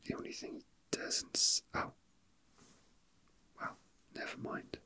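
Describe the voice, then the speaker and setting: A young man whispering softly and breathily in an unhurried, halting ASMR murmur, as if casually commenting while his hands are busy. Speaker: ASMR video host. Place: indoors at a tabletop.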